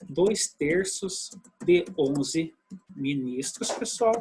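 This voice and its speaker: A man lecturing on law to an online class, patient and explanatory. His voice sits a bit high and has a husky edge, and he keeps turning to his students with short questions. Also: expressive, very slow, a little mellow, low-quality recording. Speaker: law teacher.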